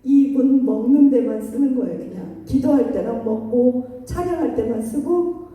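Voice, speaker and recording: Middle-aged woman w/ preaching, dark mellow tone, far off in a big echoey church. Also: high-pitched, normal speed. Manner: animated storytelling, acts out voices, laughs often. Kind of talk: lively sermon. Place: church sanctuary.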